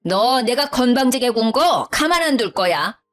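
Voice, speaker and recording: A bossy older mother-in-law, scolding and condescending, her voice pitched high and sharp with indignation, as a woman storyteller puts her on. She nags without letting up, the way a storybook matriarch lectures the young wife she looks down on. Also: expressive, normal speed, faint music behind. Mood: furious.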